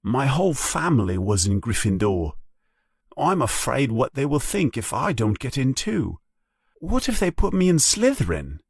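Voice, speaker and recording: A man's voice: mid-range voice, big pitch swings, moderate pace, husky, no echo, clean studio sound, pitched above the performer's own voice. A man voicing a friendly, slightly nervous young schoolboy in a storybook reading. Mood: earnest.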